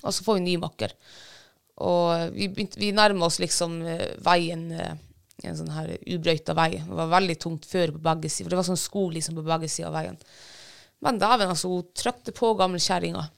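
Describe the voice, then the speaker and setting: Woman handler chatting away about her dog, gravelly but smooth voice, lots of ehs. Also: lowish voice. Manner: lively retelling with many fillers and restarts. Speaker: guest, bird dog handler. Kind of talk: casual storytelling.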